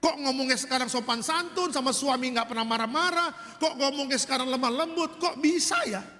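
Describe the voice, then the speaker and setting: A man's voice: extremely high pitch, a little fast, sharp tone. A man voicing a bewildered husband who asks question after question, in an echoey hall. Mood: baffled. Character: puzzled husband, middle-aged man.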